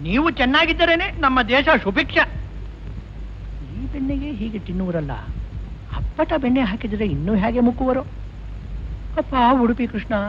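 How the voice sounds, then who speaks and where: An actor playing a grumbling restaurant owner, muttering sarcastic asides to himself. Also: male voice, very high-pitched, lively intonation, brisk, pauses often. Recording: dull old film soundtrack, faint noise.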